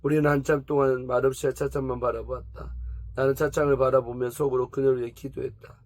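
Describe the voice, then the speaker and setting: A man reading a story aloud for a church, in a measured voice. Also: medium pitch, flat delivery, a little mellow. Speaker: church reader.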